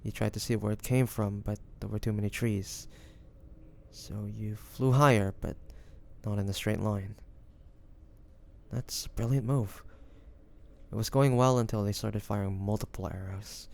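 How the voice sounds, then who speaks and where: A man's voice: lowish voice, steady tone, unhurried. A man playing a devoted, anxious young man caring for a wounded loved one, tender and hesitant, in a romantic audio roleplay. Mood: concerned, gentle. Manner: tender, hesitant, breathy sighs, addressing the listener. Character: devoted, anxious young man tending his wounded dragon-shifter beloved.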